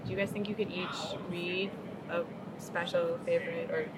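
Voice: medium pitch, level tone, moderate pace, heavy background noise. An interviewer asking short questions and giving brief prompts.

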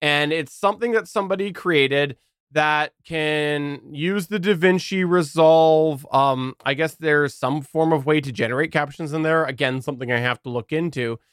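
A man co-hosting a podcast in casual chat, animated and uneven, swinging from near mumbling to loud bursts. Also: on the high side, moderate pace, clear, resonant tone, dry recording, clean studio sound. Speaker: podcast co-host.

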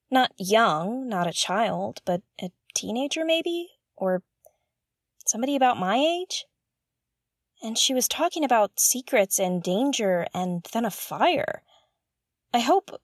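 A woman's voice: a little high, no echo, studio quality. A woman playing a nervous, curious young investigator on a derelict spaceship in an audio drama, talking hesitantly and earnestly. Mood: uneasy, thoughtful. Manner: hesitant, self-correcting, chatty and earnest. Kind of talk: audio drama, confessional log to listeners.

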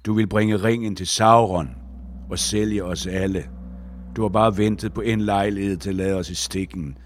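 A man's voice: on the low side, fairly even intonation, slight background noise, voice pushed up, close to an everyday voice. A man reading a proud, desperate male warrior from a book, his lines turning from coaxing to accusing. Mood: raging. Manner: pleading then accusing, forceful. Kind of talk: read-aloud book dialogue.

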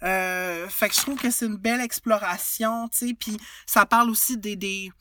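Woman, Quebec French accent, bright voice, dry, thoughtful, hesitant. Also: medium pitch, steady tone, normal speed, no echo. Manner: thoughtful, hesitant, many restarts. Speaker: podcast co-host. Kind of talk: reflective casual chat.

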